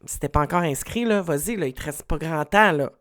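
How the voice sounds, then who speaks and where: A woman's voice: sits low, a little fast. Chatty Québécois woman coach. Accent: Québécois French. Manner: chatty, encouraging, many fillers. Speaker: relationship coach. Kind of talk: casual commentary.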